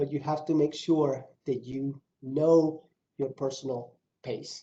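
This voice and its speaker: A man speaks at a fairly high pitch in a dark, mellow tone. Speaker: public speaking coach. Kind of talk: workshop presentation. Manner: fast; animated.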